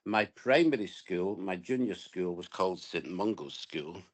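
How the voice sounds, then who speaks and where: A man from Scotland speaks with a Glaswegian accent in a fairly low voice. He is an interview guest who talks conversationally and unfolds his answers as stories. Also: expressive, a little slow. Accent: Glaswegian Scottish. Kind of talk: conversational storytelling about home and past.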